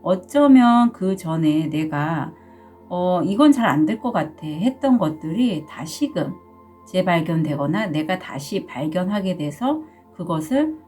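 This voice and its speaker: A middle-aged woman with a cold-roughened voice, chatting casually through a tarot reading with small laughs and fillers. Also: fairly low pitch, lively intonation, a little slow, warm tone, faint music behind. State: sore throat from a cold. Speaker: tarot reader.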